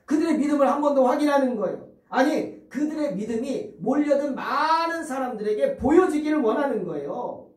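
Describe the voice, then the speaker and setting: Preacher with a lively voice, heard from afar in a church. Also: male voice, very high voice, brisk. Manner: rhetorical questions to the congregation; dramatic storytelling. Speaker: pastor. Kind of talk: sermon. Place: church sanctuary. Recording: roomy, distant church recording.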